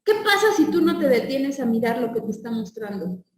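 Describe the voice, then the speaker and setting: A woman's voice: fairly high pitch, sing-song, brisk, reverberant, distant mic, crowd noise. A woman teaching a class, lecturing and asking her students questions before answering them herself.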